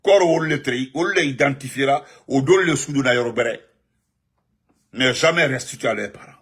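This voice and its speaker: A man, giving animated live-stream political commentary and greeting viewers, repeating himself and jumping up in pitch when he stresses a point. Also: normal speed, breathy edge. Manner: excited, repetitive, pitch jumps up sharply when emphatic.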